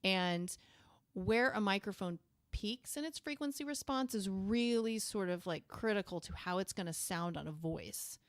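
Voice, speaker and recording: A middle-aged woman with a lower, direct voice, explaining casually as a guest in a small studio on a boom-arm mic. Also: moderate pace, dry recording. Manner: explains plainly, with frequent fillers like "like". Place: small studio room full of gear. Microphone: studio mic on boom arm, headphones on.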